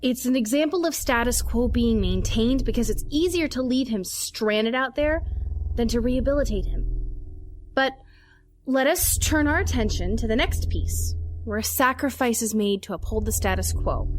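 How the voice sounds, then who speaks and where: A woman's voice: on the high side, moderate pace, soft background music, natural voice, rough recording. A woman playing a composed seminar leader who presents an audio drama anthology in a scripted style. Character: composed seminar leader introducing the next piece. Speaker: anthology host.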